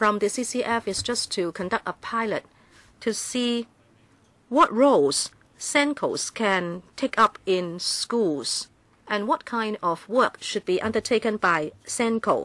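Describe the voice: Slowly, a woman speaks at a medium pitch with a fairly bright tone and lively intonation.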